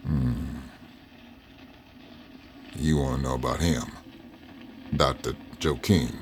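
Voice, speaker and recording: An actor playing an elderly former slave and Union veteran who is guarded, wry and folksy. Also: male voice, a bass voice, fairly even intonation, slow, slight background noise, exaggerated voice. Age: older. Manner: wary, folksy, drawling. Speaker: interviewee.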